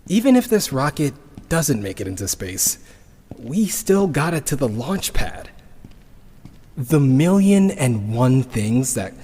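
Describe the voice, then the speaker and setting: A man playing a grieving, weary rocket builder in a sci-fi audio drama, with a husky voice and a halting, subdued, confessional delivery. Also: mid-range voice, big pitch swings, dark tone, heavily acted. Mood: nervous, hopeful. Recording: long reverberant hall echo.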